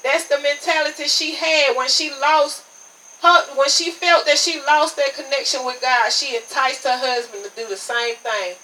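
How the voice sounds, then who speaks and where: A woman's voice: high voice, steady tone, moderate pace, bright, forceful tone. A woman preacher giving an emphatic revival sermon, punctuating her phrases with amens. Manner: emphatic, repeats "Amen" as punctuation. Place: outdoor tent service at night. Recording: distant mic, noisy, insect chirps behind. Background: crickets and insects, congregation answering amen.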